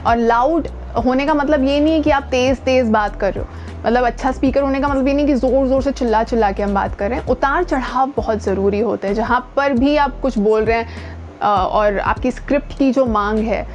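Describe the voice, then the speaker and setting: A woman's voice: fairly high pitch, a little fast, a little mellow, soft background music. An Indian woman giving an informal lesson as a voice coach, speaking conversationally and emphatically, with English words mixed in. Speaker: voice coach and video host. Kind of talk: informal instructional talk to camera. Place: outdoors near the speaker's home.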